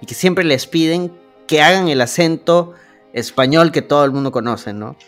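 A man's voice: on the high side, moderate pace, soft background music. A man, a podcast co-host chatting casually and chiming in easily. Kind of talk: casual chat.

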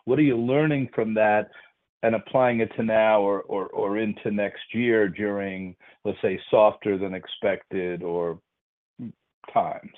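A man asking questions as a financial analyst on an earnings call, in a halting, roundabout way. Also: fairly low pitch, steady tone. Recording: dull band-limited phone line.

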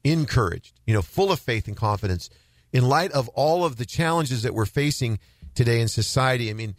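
A man's voice: mid-range voice, expressive, brisk, no echo, studio quality. A man hosting a Christian talk radio show, speaking earnestly and emphatically, often repeating words for stress. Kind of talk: casual Christian radio chat.

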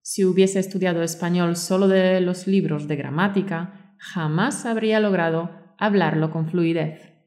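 Her voice is fairly low, a little mellow, with fairly even intonation and a moderate pace, and the recording sounds roomy. She's a Spanish teacher hosting a language-learning podcast, reading aloud and addressing listeners in an upbeat, motivational way.

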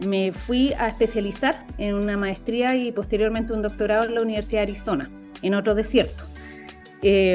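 Pause often and think aloud as a Chilean woman in her forties, answering interview questions in a measured, reflective way. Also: medium pitch, a little mellow. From northern Chile. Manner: thoughtful, measured, with many pauses and fillers. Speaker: anthropologist guest.

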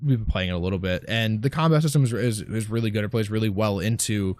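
A man's voice: fairly low pitch, fast talker, darkish tone, no room sound, studio quality. A man co-hosting a casual gaming chat, rambling and grumbling with plenty of swearing. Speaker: podcast co-host.

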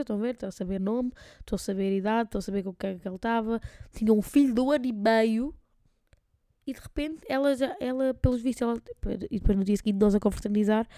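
A woman's voice: medium pitch, warm tone, no room sound, clean studio sound. A young woman with a European Portuguese accent telling stories on her solo podcast, rambling and slangy, often laughing. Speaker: podcast host.

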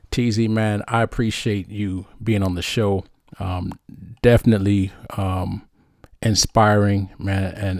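A man's voice: deep voice, darkish tone, no room sound, clean studio sound. A man hosting a show, reading viewer questions and chatting in an upbeat, casual way with frequent restarts. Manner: upbeat, many restarts and fillers. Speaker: host.

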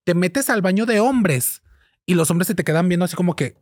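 A woman's voice: fairly low pitch, expressive, brisk, darkish tone, no room sound, clean studio sound. A trans woman with a Mexican accent, a guest talking casually and bluntly, swearing freely. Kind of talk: casual chat. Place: podcast studio.

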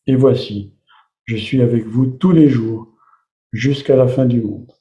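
A man's voice: medium pitch, measured pace, mellow. A man preaching a sermon, explaining and reading Bible passages aloud to the congregation. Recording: echoey room, slightly dull sound.

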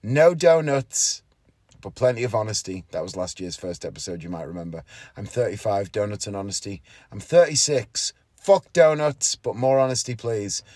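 A man's voice: on the low side, lively intonation, normal speed, darkish tone, no room sound, studio quality. A man, talking casually and candidly on his solo podcast from inside a parked car, often correcting himself. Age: 30s. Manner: rambling, candid, self-correcting. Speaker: podcast host, magician.

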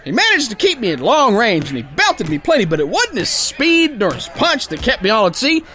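A brash, none-too-bright sailor prizefighter spins his pulp radio-play tale in rough, folksy diction. His voice sits very high for a man and has a hard, bright edge. The delivery is boisterous and exclamatory, with lively swings in pitch. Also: brisk, faint music behind, full character voice. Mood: aggrieved, wry. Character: brash, hot-headed, dim-witted brawling male sailor boxer telling his tale. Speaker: audio drama narrator and lead actor. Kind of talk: theatrical first-person pulp story narration.

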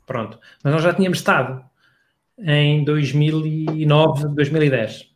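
A man's voice: a little high, measured pace, a little hiss or hum. A middle-aged man with a European Portuguese accent, chatting casually in laid-back slangy talk. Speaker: comedian and radio host, guest. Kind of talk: casual podcast chat.

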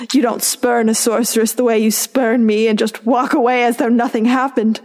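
A woman's voice: mid-range voice, darkish tone, big-room sound. A woman playing a proud, wrathful, mocking goddess and sorceress in an audio drama, with an imperious, theatrical manner.

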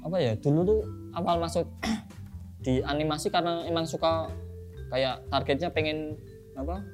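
A man's voice: fairly high pitch, normal speed, soft background music. A young man as a podcast guest, talking casually in a shy, rambling, self-deprecating way and laughing often. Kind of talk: casual interview chat.

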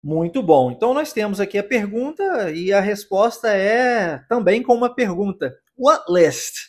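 A Brazilian English teacher with a husky voice, patiently explaining pronunciation step by step in a podcast lesson. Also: medium pitch, lively intonation, normal speed, a little mellow. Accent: Brazilian Portuguese.

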